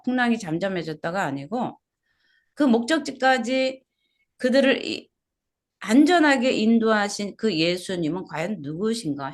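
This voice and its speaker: Woman pastor, sermon, swooping animated pitch, quizzes the congregation, repeats key words. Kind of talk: expository sermon. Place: small church service.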